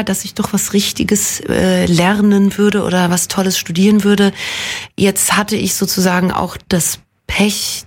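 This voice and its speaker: A woman in her forties with a husky, breathy voice, talking as a guest in a relaxed interview. She is from Munich and speaks in a reflective, self-deprecating way, circling her points with ums and restarts before landing them. Her pitch sits in an ordinary middle range for a woman. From Munich, Germany. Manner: reflective and self-deprecating, rambling with many fillers. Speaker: actress and guest. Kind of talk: casual conversational interview.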